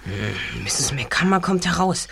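A man's voice: medium pitch, very animated, slow pace, creaky, fairly bright tone, breathy edge, full character voice. An actor playing an alert, commanding teenage boy detective in a radio play. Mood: urgent, hushed. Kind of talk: German radio play acting.

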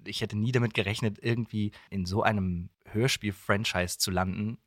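A man chatting casually as an interview guest, telling anecdotes in an animated way. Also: lowish voice, moderate pace, no room sound, studio quality. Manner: animated storyteller, acting out quoted dialogue. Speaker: podcast guest, voice actor and dubbing director.

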